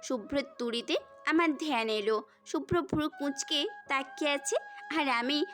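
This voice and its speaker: A woman's voice: high voice, normal speed, a bit bright, faint music behind. A young woman narrating a romantic story in the first person, as a scripted audio tale.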